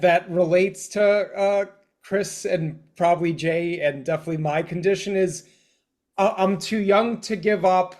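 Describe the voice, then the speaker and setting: A comedian in his forties chatting on a podcast, often restarting his sentences and making self-deprecating jokes. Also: high voice. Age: 40s. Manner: halting, repeats words, self-deprecating humor. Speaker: comedian guest. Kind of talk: casual podcast chat.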